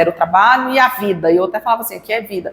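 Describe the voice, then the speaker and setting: A woman with a Minas Gerais accent. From Brazil, Minas Gerais. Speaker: podcast co-host, social worker and consultant. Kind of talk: casual podcast chat. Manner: animated, laughs mid-sentence.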